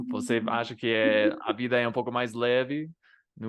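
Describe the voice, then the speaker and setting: A man's ordinary speaking voice at a medium pitch, fairly slow in pace, with fairly even intonation. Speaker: interviewer, channel host. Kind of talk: interview questions, casual.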